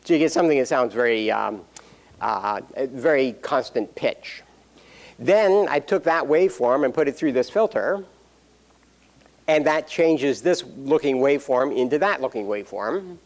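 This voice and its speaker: A man's voice: mid-range voice, expressive, normal speed. A man giving a university lecture, explaining step by step with dry jokes and frequent "um"s. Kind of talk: classroom lecture.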